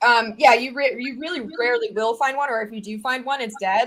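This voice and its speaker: This woman talks at a fairly quick pace in a fairly high pitch, with an American accent. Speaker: tick researcher and product developer. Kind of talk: casual chat.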